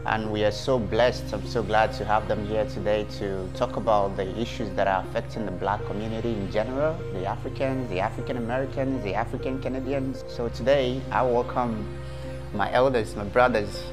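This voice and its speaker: A man's voice: lowish voice, fairly even intonation, music in the background, rough recording. Welcoming male interview host. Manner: upbeat, welcoming, measured. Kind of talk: hosting an interview.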